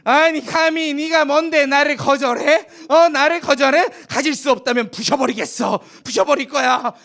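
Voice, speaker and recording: A man voicing a scheming wife who coaxes in a drawn-out sing-song, in a children's Bible story. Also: extremely high pitch, big pitch swings, a bit bright, exaggerated voice. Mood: furious. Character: scheming, spiteful wife of a master.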